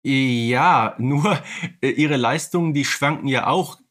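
A man's voice: medium pitch, slow pace, a bit bright. Wry man co-hosting a casual podcast. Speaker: podcast host. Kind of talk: casual humorous fan podcast discussion.

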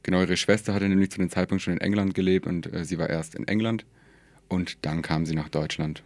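A man in his twenties, a podcast guest from Germany, talking in a relaxed, hesitant way with many fillers and easy laughter. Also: low voice, fairly quick, no echo. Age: 20s. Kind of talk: casual conversation.

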